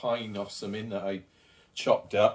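A man speaks fairly slowly in a somewhat breathy voice. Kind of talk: casual build vlog explanation. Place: workshop. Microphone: camera far.

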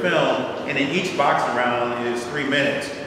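Strong room echo and noticeable background noise fill the recording. A man speaks in an American accent. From US Midwest, Mansfield, Ohio. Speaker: filmmaker and artist. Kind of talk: exhibition guided tour talk. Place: hall. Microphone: camera far.

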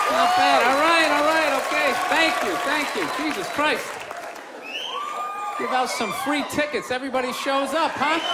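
Long, frequent pauses break up this speech in an American accent over loud background noise. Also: man, moderate pace. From United States. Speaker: stand-up comedian. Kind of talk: stand-up comedy set. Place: stage.

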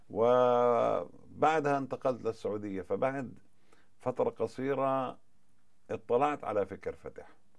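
A man talks at a very slow pace, his intonation fairly even but his loudness swinging widely. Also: quiet background. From Jerusalem, Palestine; Palestine. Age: 60s. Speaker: former Palestinian militant leader; interview guest. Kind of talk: interview testimony. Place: studio.

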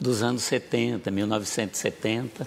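A man speaks over light background noise. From Paraná, Brazil (Ribeirão do Pinhal); Paraná, Brazil. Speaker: comedian. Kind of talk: storytelling jokes on TV talk show. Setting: TV studio with audience. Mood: relaxed, humorous storytelling. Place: studio. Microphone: lapel.

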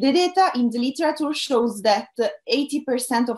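A woman with an Italian accent at a moderate pace, ordinary pitch variation and a quiet background. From Italy, Milan. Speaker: psychologist. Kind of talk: conference presentation. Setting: video call. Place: home room.

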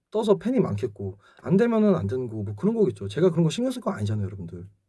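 A man's dark, mellow, somewhat breathy voice with very wide pitch swings. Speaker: vocal coach. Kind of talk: casual talk to camera. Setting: vocal booth in studio.

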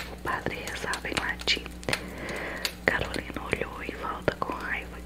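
Whispering at a moderate pace, a woman speaks with long, frequent pauses. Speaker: ASMR reader. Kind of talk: ASMR novel reading. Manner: whispered. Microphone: studio mic.

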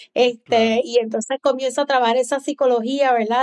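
Fairly even intonation in a woman's high voice. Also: dry, close sound with no echo. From Puerto Rico, Lares. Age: young. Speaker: cacao farmer and chocolate maker. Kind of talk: interview.

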